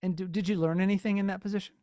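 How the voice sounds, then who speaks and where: A man hosting an interview, asking conversational questions in a slightly hesitant, pausing way. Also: high voice, steady tone, dark tone, no echo, clean studio sound. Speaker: interview host.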